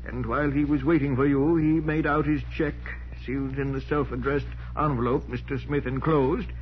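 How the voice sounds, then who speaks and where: An actor playing a deferential, precise household servant, speaking politely and gravely in 1940s radio drama style. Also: male voice, mid-range voice, fairly even intonation, close to an everyday voice. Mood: grave recounting. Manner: polite, formal, measured. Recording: muffled, noisy 1940s radio recording.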